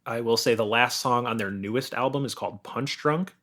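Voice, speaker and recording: A man's voice: medium pitch, brisk, pushed and bright. An American man as a podcast guest, chatting casually with wry, anecdotal asides.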